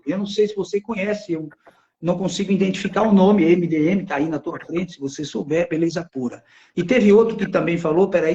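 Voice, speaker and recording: High-pitched Brazilian man, teaching casually. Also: a little mellow, highs cut off. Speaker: host and public-speaking coach. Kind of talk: casual live-stream conversation with teaching.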